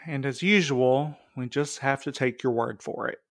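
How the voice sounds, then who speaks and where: A man's voice: medium pitch, a little slow, no echo, clean studio sound, natural voice. A man playing a frank, casual, slightly defensive courier in an audio drama, in a conversational way. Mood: pointed. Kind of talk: scripted audio drama acting.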